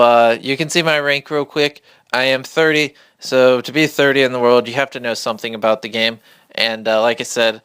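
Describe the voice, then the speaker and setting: Quiet but clear man, dry close sound. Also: mid-range voice, dry recording. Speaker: gamer hosting a beginner's tutorial. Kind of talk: casual off-the-cuff game tutorial. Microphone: phone held a couple of inches from the mouth.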